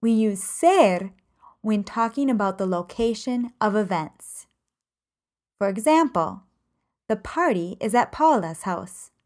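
A woman teaching a language lesson podcast, reading example sentences in measured, carefully enunciated phrases. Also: mid-range voice, lively intonation, darkish tone. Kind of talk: slow, clear podcast lesson.

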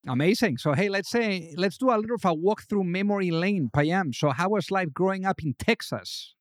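Upbeat guy hosting a business podcast, kinda high voice, super dry close mic. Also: lively intonation, moderate pace, no echo. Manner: enthusiastic, rising pitch on greetings; repeats words while forming questions. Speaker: podcast host.

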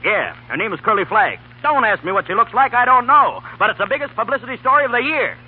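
A man playing a brisk, businesslike middle-aged executive in a 1930s radio comedy. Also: very high voice, lively intonation. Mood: brisk, excited. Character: brisk, busy publicity-minded father, a movie executive. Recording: tinny, faintly noisy 1930s radio recording.

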